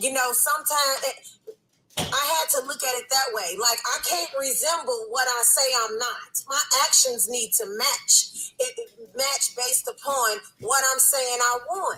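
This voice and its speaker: Raising and projecting her high voice, a woman speaks fairly slowly with lively intonation. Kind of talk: casual group discussion.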